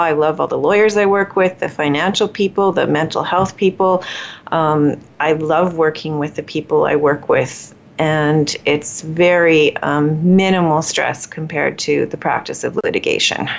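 A woman lawyer talking about her work in a measured, thoughtful way with pauses. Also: sits low, gravelly, a little hiss or hum. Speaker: collaborative family lawyer. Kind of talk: conversational interview answers. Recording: dull lo-fi audio.

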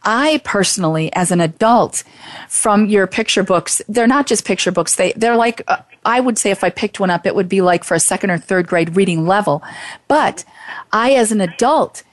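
A woman hosting an interview, earnest and effusive, halting as she gathers her thoughts. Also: medium pitch, no echo. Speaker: interviewer, show host. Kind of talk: casual interview.

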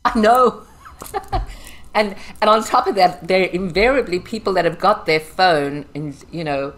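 A woman from Zimbabwe, speaking with a Zimbabwean accent, is an interview guest in a casual chat, animated, talkative and laughing often. Her voice is lowish and a little slow.

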